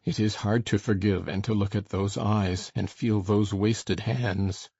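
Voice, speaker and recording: An actor playing Heathcliff, a fierce, desperate, brooding man, speaking low and urgent in a dramatized audiobook reading. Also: fairly even intonation, unhurried, creaky, a little mellow, husky, no room sound, heavily acted. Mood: anguished. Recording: dull lo-fi dry recording.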